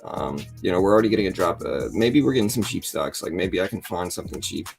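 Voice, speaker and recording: A middle-aged man with a raspy morning voice, chatting casually as a livestream host in a joking, self-deprecating, rambling way. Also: expressive, quick pace, soft background music. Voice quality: deep morning voice. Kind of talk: casual live trading commentary to chat.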